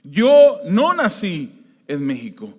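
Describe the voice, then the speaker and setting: A man from the United States preaching a sermon as pastor, shifting between loud emphasis and quiet, hushed prayer. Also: high-pitched, wildly swooping pitch, slow pace. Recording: long hall reverb.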